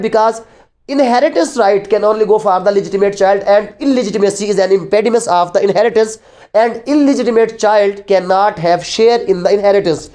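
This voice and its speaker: A law teacher with a Pakistani accent delivers an explanatory lecture that blends Urdu and English. Her voice sits in the mid-range with a somewhat dark tone, and she teaches didactically, repeating key phrases and asking rhetorical questions.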